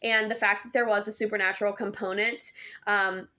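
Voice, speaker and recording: A woman's voice: medium pitch, little pitch movement, brisk, pushed and bright. A young adult woman giving a casual book review vlog, chatty, with many ums and restarts.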